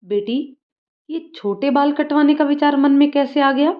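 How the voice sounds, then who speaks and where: A woman's voice: sits high, measured pace, voice pushed up. A woman voicing an affectionate, easygoing middle-aged village father, on slightly dull audio.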